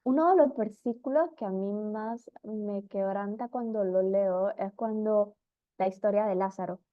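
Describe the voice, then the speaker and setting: A woman's voice: mid-range voice, a little slow, no room sound. A woman giving an earnest Bible teaching talk, retelling stories and acting out the people in them. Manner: earnest storytelling, acts out quoted figures. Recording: dull lo-fi dry sound.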